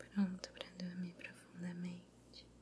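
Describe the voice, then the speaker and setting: Whispering at a very slow pace, a soft-spoken woman sounds breathy over light background noise. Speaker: ASMR creator. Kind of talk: soft ASMR sleep talk. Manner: soft ASMR whisper, close and breathy.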